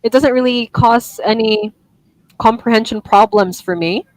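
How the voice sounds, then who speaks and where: Over a video call, a woman with a higher-pitched voice gives one-on-one IELTS speaking feedback, speaking a little slowly. She corrects gently, laughs easily, and apologizes for her own slips, in a dry, close, low-quality recording.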